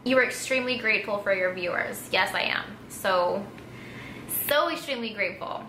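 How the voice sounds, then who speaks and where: A woman's voice: mid-range voice, expressive, normal speed. A young woman from Texas with an American accent, chatting casually as a vlogger answering viewer assumptions. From Texas, United States. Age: young adult. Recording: echoey room with faint background noise.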